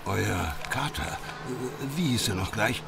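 An actor playing a gossipy married neighbour, hesitant and hemming, in an audio drama. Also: male voice, fairly low pitch, lively intonation, takes it slowly, gravelly, over music, heavily acted. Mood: awkward, confiding. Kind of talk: German audio drama acting.

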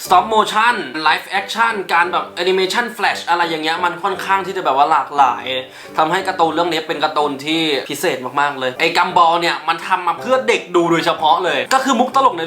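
A man hosting a casual countdown in a chatty way, who giggles often and gets excited and squeaky. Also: brisk, few pauses, echoey room. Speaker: YouTube host.

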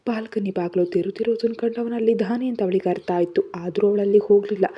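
A woman narrating a scripted romance story in a steady, even storytelling manner. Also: medium pitch, quick pace, husky. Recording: dull lo-fi audio.

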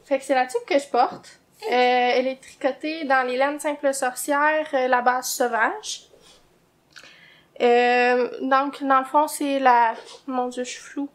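High-pitched québécois woman hosting her knitting podcast, chatty, laughs a lot, loses her thread. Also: fairly even intonation, unhurried. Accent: Québécois French. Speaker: knitting podcast host and pattern designer. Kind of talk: casual chat.

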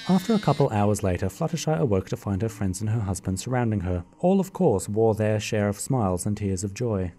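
A man's voice: fairly low pitch, big pitch swings, a little fast, hardly any pauses, warm tone. A man narrating a fan radio play in a wry, jokey way.

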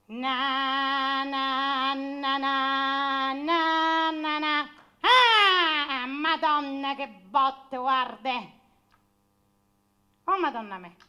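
A performer voicing a cheeky, clownish male trickster puppet in a squeaky, shrill voice, with excitable repeated exclamations. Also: exaggerated voice. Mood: startled. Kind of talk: Italian puppet theatre slapstick.

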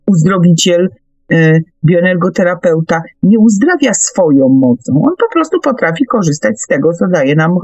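A woman's voice: on the low side, a little mellow, dry recording. Woman radio host, dull lo-fi sound. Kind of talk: unscripted radio discussion. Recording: dull, lo-fi radio call audio.

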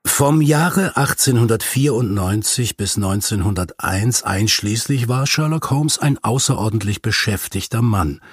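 A man's voice: fairly low pitch, lively intonation, a little slow, few pauses, husky, dry recording, studio quality. A man reading a detective story aloud as scripted audiobook narration. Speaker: audiobook reader.

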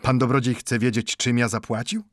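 A man's voice: mid-range voice, fairly even intonation, a little fast, no room sound, clean studio sound, natural voice. A man voicing an old Jewish bookbinder in an audiobook, speaking broken Polish full of "nu" and growing heated as he pleads. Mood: pleading. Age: older.

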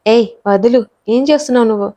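Woman narrator playing a quick-tempered young woman, scolding. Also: a little high, no room sound, natural voice. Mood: angry. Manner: sharp and scolding.

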